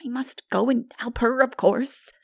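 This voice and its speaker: A woman voicing a practical, excitable young girl in an animated, emphatic audiobook reading. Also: fairly high pitch, measured pace, creaky, dry recording, clean studio sound, pitched above the performer's own voice. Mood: alarmed, frantic. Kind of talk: dramatic audiobook character reading.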